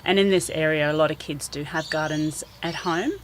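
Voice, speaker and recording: Low-voiced New woman, earnest. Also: steady tone, normal speed, slight background noise. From New Zealand. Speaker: school garden teacher. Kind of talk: radio interview, outdoor. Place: school garden outdoors.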